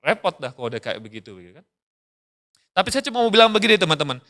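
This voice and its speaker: A middle-aged man preaches to a youth crowd in a loose, slangy way, often slipping into the quoted voices of teenagers. His voice sits high and swings freely between bursts of volume and soft asides. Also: racing. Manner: lively and casual, slangy, acts out quoted voices. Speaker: youth pastor. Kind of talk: sermon.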